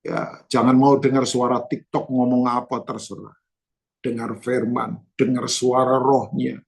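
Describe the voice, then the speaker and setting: A man pastor preaching a sermon, telling stories and addressing the congregation directly in an animated way. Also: medium pitch, measured pace, gravelly, husky. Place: church.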